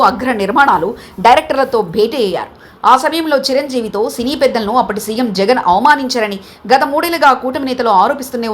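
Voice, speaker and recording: Brisk high-voiced woman reading the news. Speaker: news reader. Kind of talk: scripted news narration.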